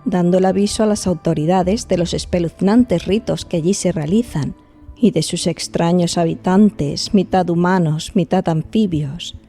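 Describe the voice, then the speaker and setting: A woman's voice: fairly low pitch, moderate pace, dark tone, faint music behind. A woman with a Spain accent playing a studious, confident investigator who explains things articulately in an audio drama. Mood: serious, explanatory. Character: studious, serious female investigator, confident and helpful. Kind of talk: Spanish-language audio drama dialogue.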